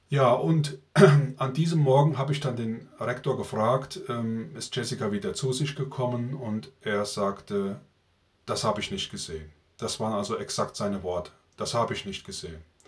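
Here is a man with a medium pitch and somewhat breathy delivery. He moves at a moderate pace with lively intonation. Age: 50s. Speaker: police officer sharing his faith testimony. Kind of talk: testimony.

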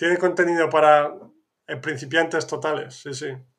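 In a north-central Spanish accent, a man with a fairly high pitch speaks at a moderate pace in a flat monotone. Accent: northern-central Peninsular Spanish. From Castilla y León, Spain. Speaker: language learning podcaster. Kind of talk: live Q&A stream.

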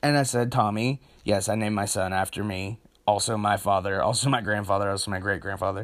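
Very fast speech from a man with a fairly low pitch, on a very clean recording with a silent background. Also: fairly even intonation. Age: 30s. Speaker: podcast host, music fan. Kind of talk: solo podcast monologue. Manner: casual, with fillers and repetitions.

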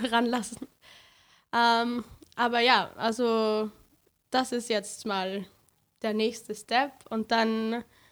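On a very clean recording with a silent background, a woman speaks at a fairly high pitch with flat, monotone intonation. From Austria, Lower Austria near Steyr. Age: 20s. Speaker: student, exchange network founder. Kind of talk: casual interview.

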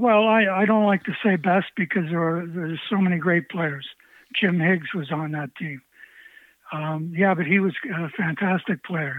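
Pitch varies in an ordinary way, and the pace holds moderate. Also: man, high pitch for a man. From Ontario, Canada (St. Catharines). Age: 70s. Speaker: retired sports journalist. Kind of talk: interview.

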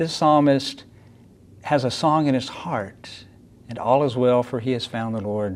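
A man speaks at a fairly slow pace with a Southern US accent. His pitch sits in the medium range. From North Carolina. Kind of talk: sermon. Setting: church.

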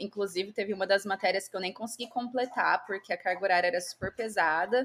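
Pitched in a middle range, a woman's voice shows typical variation in its melody. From Brazil, interior of São Paulo state (São José do Rio Preto). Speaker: nurse. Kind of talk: casual interview.

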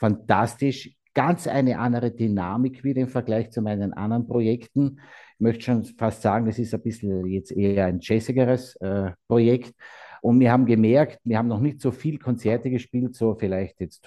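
The man's voice sits at a medium pitch with fairly even intonation. He speaks at a moderate pace. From Austria, Carinthia. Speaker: jazz accordionist. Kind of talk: interview. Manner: halting, many fillers.

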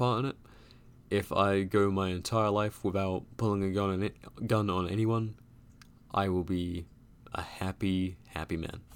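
With an English accent, a man speaks at a fairly low pitch and with fairly even intonation. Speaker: podcast host. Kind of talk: solo podcast monologue and Q&A. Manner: casual, natural delivery.

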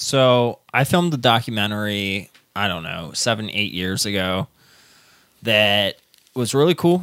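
Here a man with a fairly low pitch talks at a fairly slow pace with long, frequent pauses and lively intonation. His tone is bright and sharp, on a very clean recording with a silent background. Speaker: podcast host. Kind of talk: casual chat. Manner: animated.

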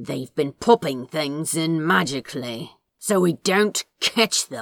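It is a put-on character voice, soft-spoken and at a middle pitch. The pace is fairly slow. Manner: murmuring through gritted teeth.

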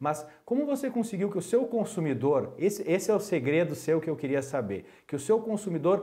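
A man talks with lively intonation and a dark, mellow tone. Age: 30s. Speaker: TV host. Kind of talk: TV interview. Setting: TV studio.

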